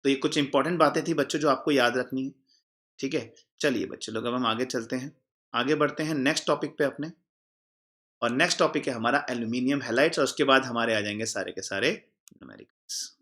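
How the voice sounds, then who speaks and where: A man's voice: mid-range voice, fairly quick. A man teaching an exam-prep chemistry class, repeating key points, quizzing the class and answering himself. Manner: calls the students "children" warmly.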